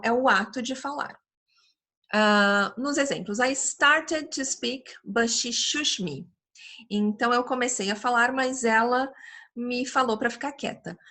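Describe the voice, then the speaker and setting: Bright-voiced Brazilian woman teaching English. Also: fairly high pitch. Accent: Brazilian Portuguese. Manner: explains patiently, reads English examples slowly and carefully. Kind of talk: online language lesson.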